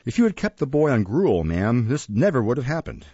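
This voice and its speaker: A man's voice: mid-range voice, big pitch swings, brisk, dark tone, breathy edge, no echo, highs cut off. A man voicing a pompous, stern parish beadle in an audiobook, declaiming emphatically. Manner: declamatory, emphatic, deferential "ma'am".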